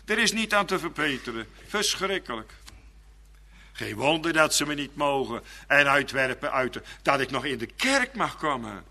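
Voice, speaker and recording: A man preaching a sermon in a church. He moves between hushed, slow pleading and raised, fervent preaching. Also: on the high side, big pitch swings. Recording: long church reverb.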